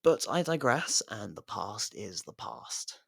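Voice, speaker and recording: Guy doing a sardonic convict murderer, asmr roleplay, taunting and sweary, lowish creaky voice, super dry close mic. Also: sing-song, slow, a bit bright, dry recording, heavily acted. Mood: cool, taunting. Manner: taunting, mocking, casually profane. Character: sardonic imprisoned murderer reluctantly partnered with a detective.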